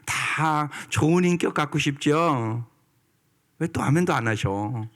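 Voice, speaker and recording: A male pastor giving a sermon in a church, lively and often prodding the congregation for answers. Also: a little high, slow. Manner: lively, prods the congregation for responses. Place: church sanctuary.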